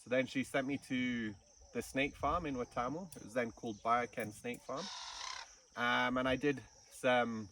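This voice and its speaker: A Kenyan man who curates a snake farm tells his story in a casual interview, saying "um" often. His medium-pitched voice is bright and forceful, with fairly even intonation and a moderate pace. He's outdoors in the bush, picked up by a distant mic with faint insect noise.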